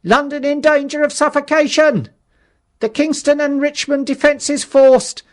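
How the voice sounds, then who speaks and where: An urgent street newsman from a storybook, put on by a male narrator. He bawls out his headlines loudly, far up in pitch. Every phrase is a public cry of alarm. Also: little pitch movement, a little slow. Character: bawling male street newspaper seller spreading alarm.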